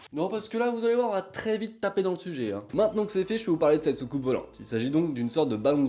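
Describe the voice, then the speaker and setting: A man's voice moves through very wide pitch swings. Music plays in the background. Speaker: science popularization YouTuber. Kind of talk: casual storytelling to camera. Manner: casual, with fillers.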